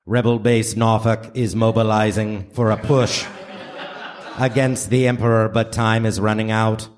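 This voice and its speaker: A man's voice: fairly low pitch, level tone, unhurried. A man narrating in a grandiose, theatrical mock old-time radio announcer style on a live stage. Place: theater stage before audience. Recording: noisy live theater recording.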